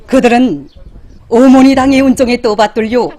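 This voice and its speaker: High-pitched North Korean woman news announcer. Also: normal speed, warm tone. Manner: solemn, reverent, emphatic declamation. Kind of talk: formal scripted news narration.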